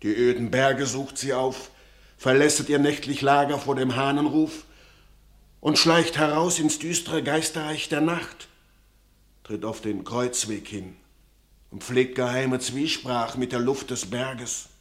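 Actor as a slow-spoken, worried old peasant father. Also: medium pitch, close to an everyday voice. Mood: brooding. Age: older. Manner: solemn, declamatory, slow. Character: anxious, pious old peasant father, stern and foreboding. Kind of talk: classical German radio play acting.

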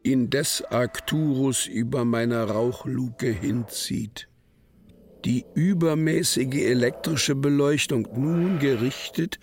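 A man playing a brooding poetic narrator in a literary radio drama, declaiming in deliberate short phrases. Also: mid-range voice, creaky, slight background noise. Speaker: actor reciting poetry.

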